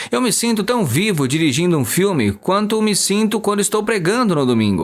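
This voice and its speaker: A man talks at a fairly quick pace with lively intonation. Noticeable background noise can be heard. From El Salvador, then US. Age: 60s. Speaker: pastor. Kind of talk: interview.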